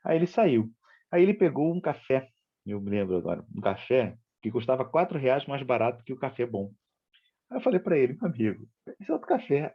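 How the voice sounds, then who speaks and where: A man's voice: medium pitch, slightly rough, dull audio. A man with a Rio de Janeiro accent giving a spiritist lecture, telling a story in a conversational way and acting out the dialogue. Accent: Brazilian Portuguese, Rio de Janeiro. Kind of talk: storytelling talk.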